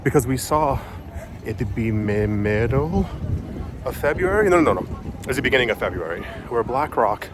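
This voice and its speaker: A man filming a casual vlog outdoors, rambling with many fillers and restarts, often keeping his voice low in public. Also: expressive, normal speed. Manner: drops his voice to talk quietly in public. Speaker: crypto vlogger. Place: outdoors on a city street with traffic. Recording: street traffic noise behind.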